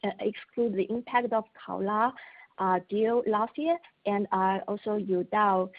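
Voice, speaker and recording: A woman's voice: medium pitch, unhurried. A woman with a Chinese accent, a native Mandarin speaker, asking questions as an analyst on an earnings call. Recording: tinny phone conference line.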